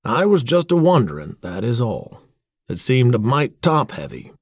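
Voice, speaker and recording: A man's voice: medium pitch, very animated, moderate pace, dry recording, studio quality, pitched above the performer's own voice. A man voicing a wry, plainspoken frontier onlooker in a storybook, with a folksy, rustic manner. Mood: mildly teasing.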